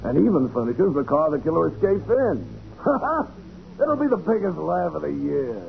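An actor playing a smug small-time racketeer who taunts and threatens in an old radio crime drama. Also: male voice, fairly high pitch, big pitch swings, a little slow, exaggerated voice. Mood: gloating. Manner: taunting, smooth-talking threats. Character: menacing small-time racketeer, smug strong-arm crook. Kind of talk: 1940s radio crime acting. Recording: muffled, noisy 1940s radio recording.

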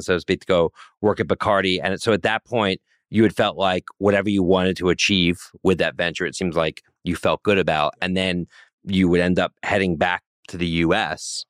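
Deep voiced host guy recapping a career then asking, dry mic. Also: steady tone, moderate pace, a bit bright, dry recording. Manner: brief affirmations, long recapping questions. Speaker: podcast host. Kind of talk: interviewer questions.

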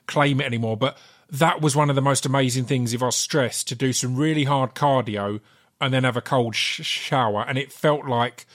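A man's voice: medium pitch, normal speed. Essex-accented man hosting a casual podcast. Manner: stammering repeats of words, sweary. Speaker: podcast host. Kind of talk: casual chat interview. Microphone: podcast mic in a remote video call.

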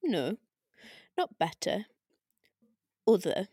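A taunting, otherworldly spirit acted by a woman in an audio drama read. The delivery is unhurried, sardonic and provoking, savouring each phrase. The sound is close and dry, with very little room. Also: medium pitch, very animated, dark tone, slightly rough, no echo, full character voice. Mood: coolly persuasive. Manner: drawn-out, sardonic, needling. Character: taunting disembodied arcane spirit, silky and provoking.

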